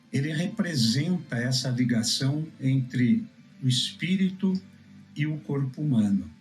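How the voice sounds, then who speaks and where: Man, Brazilian accent, mid-pitched, solemn, deliberate, explanatory preaching, soft background music. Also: rough recording. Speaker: preacher, guest answering questions. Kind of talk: religious teaching, explanatory answer.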